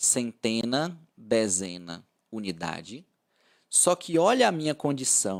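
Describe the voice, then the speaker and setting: At a very slow pace, a man talks at a medium pitch. His pitch swings very widely. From Bahia, Brazil (Vitória da Conquista). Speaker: math teacher for exam prep. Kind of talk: live online class. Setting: live stream with chat. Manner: animated.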